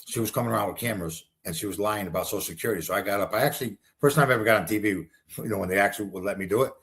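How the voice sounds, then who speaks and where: A man's voice: on the low side, very fast, fairly bright tone. A man running for Congress, talking bluntly and combatively in a rambling political interview. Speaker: congressional candidate.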